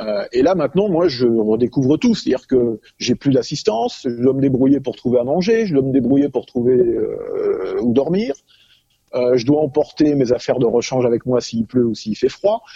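A man with a fairly high pitch speaks at a moderate pace, his intonation lively. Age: 50s. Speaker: ultra-distance cyclist. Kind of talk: casual interview.

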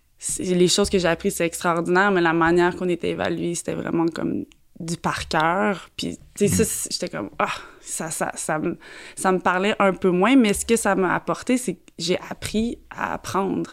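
On a very clean recording with a silent background, the words come at a fairly slow pace. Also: woman. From Quebec, Laurentides (rural). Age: 30s. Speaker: photographer. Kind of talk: interview conversation.

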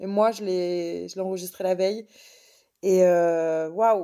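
A woman's dark, mellow voice in monotone, flat intonation, on a very clean recording with a silent background. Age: 20s. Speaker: podcast host. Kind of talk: solo monologue podcast. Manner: casual, thinking aloud.

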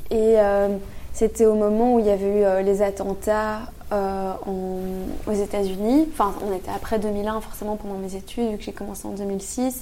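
Against audible room echo, a woman with a medium pitch speaks at a fairly slow pace with fairly even intonation. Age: 30s. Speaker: lawyer and citizen-assembly politician. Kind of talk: interview.

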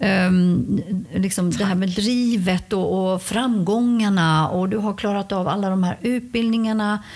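Fairly slow and with hardly any pauses, a woman speaks in a somewhat breathy voice with fairly even intonation and very even loudness. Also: medium pitch for a woman, very clean recording, silent background. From Czech Republic. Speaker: podcast host. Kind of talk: interview, casual chat.

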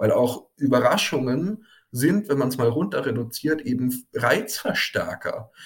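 The voice is somewhat breathy, with lively intonation at a fairly slow pace. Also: man, fairly high pitch for a man. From Germany, rural Upper Franconia. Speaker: journalist. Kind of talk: personal interview conversation.

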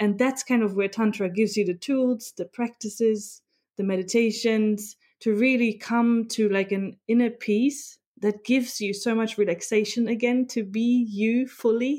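Fairly high-pitched woman, somewhat breathy, with a dark, mellow tone and fairly even intonation. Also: moderate pace. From Germany. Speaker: tantra teacher. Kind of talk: casual interview. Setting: remote call.

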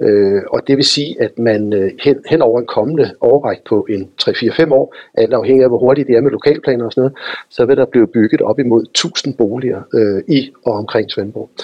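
A man talks at a moderate pace with hardly any pauses, his pitch medium and his pitch variation ordinary. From eastern Zealand, south of Copenhagen. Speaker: former real estate agent, handball club associate. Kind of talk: panel discussion. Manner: halting with frequent fillers.

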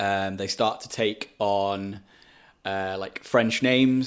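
A man with a Yorkshire accent, fairly low-pitched and fairly even in intonation, at a very slow pace on a very clean recording with a silent background. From Yorkshire, northern England. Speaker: historian. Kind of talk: casual chat about history.

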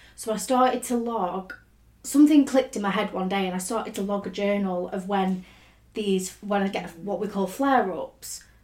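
A woman with an unremarkable speaking voice talks at a moderate pace and a medium pitch with ordinary pitch variation. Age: 20s. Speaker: aspiring actress. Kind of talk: casual chat.

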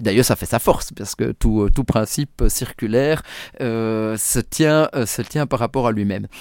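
A man speaks at a fairly slow pace in a plain, everyday voice, medium in pitch with ordinary pitch variation, recorded with a dry, close sound and no echo. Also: very clean recording, silent background. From Belgium, Brussels (born in Milan). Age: 40s. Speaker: sommelier and wine educator. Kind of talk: interview.

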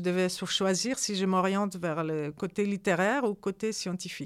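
Fairly slow speech with a Greek accent. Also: woman. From Greece, Thessaloniki. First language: Greek (speaking French). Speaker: research physicist. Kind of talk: interview. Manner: halting.

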